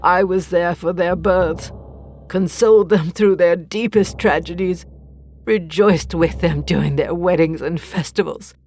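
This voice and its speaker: A woman's voice: fairly low pitch, darkish tone, a little hiss or hum. A woman playing a vengeful condemned witch in a horror audio drama, telling her tale in a theatrical, brooding manner. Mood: bitter reverence. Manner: slow, theatrical, brooding storytelling.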